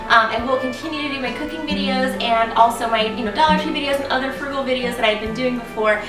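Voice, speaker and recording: A woman vlogging casually to her viewers, chatty and excited, a little raspy and congested from a cold. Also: high voice, quick pace, recorded from a distance, over music. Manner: chatty, excited, lots of ums. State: congested, getting over a cold. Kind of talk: casual vlog talking to viewers. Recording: echoey room, voice a bit off-mic.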